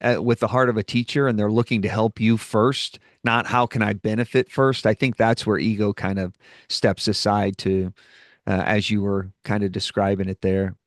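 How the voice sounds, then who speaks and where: A man hosting a podcast interview who talks in a relaxed way, with frequent ums and uhs. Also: lowish voice, moderate pace, dry recording, studio quality. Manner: relaxed, hesitant with many fillers. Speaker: podcast host.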